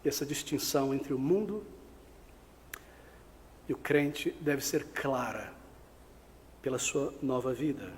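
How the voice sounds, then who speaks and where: A male pastor with a Brazilian Portuguese accent, preaching a sermon emphatically, rising to loud outbursts and then dropping to quiet appeals. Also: medium pitch, slow, pauses often, big-room sound, slight background noise.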